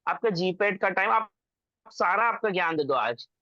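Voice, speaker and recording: A man's voice: high-pitched, expressive, moderate pace, bright, forceful tone, no echo. Emphatic young man, dry lo-fi sound. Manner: emphatic, advice-giving, mixes English phrases. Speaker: host interviewing an exam topper. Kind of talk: casual Hindi-English interview chat.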